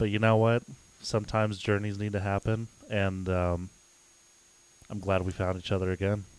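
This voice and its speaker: Soft-spoken and monotone with flat intonation, the voice moves at a moderate pace broken by long, frequent pauses. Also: man, fairly low pitch for a man. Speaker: podcast co-host. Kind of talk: casual chat.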